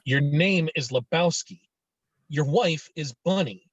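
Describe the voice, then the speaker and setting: A man acting a thug, threatening, demanding, high-voiced, slightly muffled sound, table read. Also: slow, no echo. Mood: menacing. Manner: threatening, demanding, foul-mouthed. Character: menacing thug shaking down a debtor. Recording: dull, muffled online-call audio.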